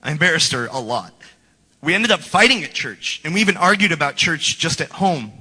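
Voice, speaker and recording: A man's voice: on the high side, sing-song, fairly quick, bright, forceful tone, husky. A man in his forties giving an earnest, prepared church testimony and acting out his past scorn, in a church sanctuary. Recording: long hall reverb.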